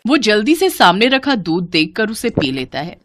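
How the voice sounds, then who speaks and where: A woman narrating a scripted moral story in an expressive storytelling style. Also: medium pitch, moderate pace.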